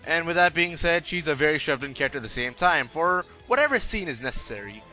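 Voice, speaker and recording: A man's voice: a little high, expressive, quick pace, bright, forceful tone, faint music behind. A man giving a casual, opinionated video review as host, irreverent, sarcastic and slangy in his delivery.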